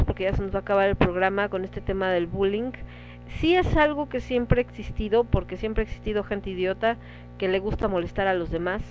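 A woman with a Mexican Spanish accent hosting a casual talk show, chatting with listeners and reading out their comments. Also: on the high side. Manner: conversational, reads listener comments aloud. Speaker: radio show host. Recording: dull lo-fi sound with faint music.

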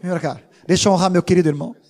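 A man, preaching a sermon as pastor, animated and teasing, with informal asides. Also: sits high, very fast.

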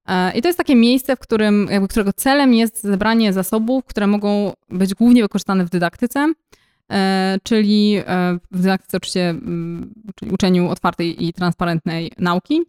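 A woman's voice: medium pitch, steady tone, moderate pace, darkish tone, smooth. A young woman co-hosting a podcast in casual conversation, explaining things at length with frequent hesitations and fillers. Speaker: podcast co-host.

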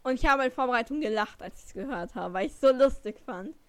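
A woman's voice: fairly high pitch, lively intonation, fast. A teenage girl co-hosting a podcast, chatting casually and hesitantly, often correcting herself. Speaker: podcast co-host. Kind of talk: casual chat.

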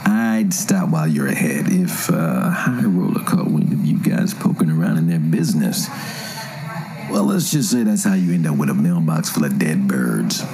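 Give this one to a shady salesman, played by a man in an audio comedy. His voice sits very low but swings about in lively swoops, sly and insinuating, with some noise behind it. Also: normal speed, vocal fry, exaggerated voice, poor audio. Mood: cagey, ominous. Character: shady, wary wheelchair salesman with cryptic warnings. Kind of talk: comedic audio drama acting.

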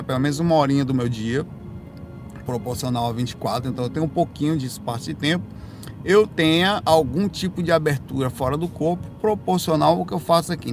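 A man's voice: mid-range voice, vocal fry. Man chatting over background music. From Brazil, raised in Bahia. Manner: rambling, self-correcting, animated bursts. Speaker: livestream host answering viewer questions. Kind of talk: casual live chat reading comments.

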